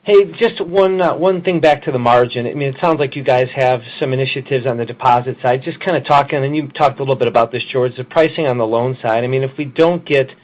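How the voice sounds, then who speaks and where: A man with an average-pitched voice puts questions as a financial analyst. He phrases them casually and loosely, circling around the point. The sound is somewhat muffled, as on a conference call. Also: fast talker, hardly any pauses. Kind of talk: informal unscripted earnings call questions.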